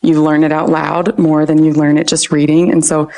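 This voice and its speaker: A woman's voice: sits low, little pitch movement, moderate pace, dark tone. A woman in her thirties with a Philadelphia accent, chatting as a podcast guest and laughing often. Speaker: guest, dietetics student. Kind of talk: casual interview chat.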